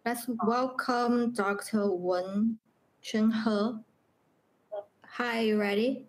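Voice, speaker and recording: A woman's voice: a little high, fairly even intonation, extremely slow, darkish tone, rough recording. A woman moderating an online academic meeting. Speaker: session moderator.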